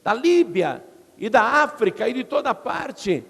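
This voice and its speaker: Very animated and measured in pace, this husky voice carries vocal fry and a slightly bright quality. It belongs to a pastor with a Brazilian Portuguese accent who dramatically retells scripture in an expository sermon, acting out crowd voices with rising pitch. Long reverb from the large hall echoes through the recording.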